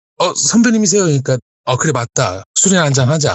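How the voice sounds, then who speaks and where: With very wide swings in pitch, a man speaks in a fairly high register. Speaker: storyteller guest on horror radio. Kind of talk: storytelling. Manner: changed intonation from voice training.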